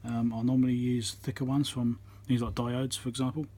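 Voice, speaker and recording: A man's voice: mid-range voice, flat delivery, a little fast, mellow, slight background noise. A man giving an informal, matter-of-fact hands-on repair tutorial, thinking aloud as he works, recorded on a phone on a tripod. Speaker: electronics repairer demonstrating.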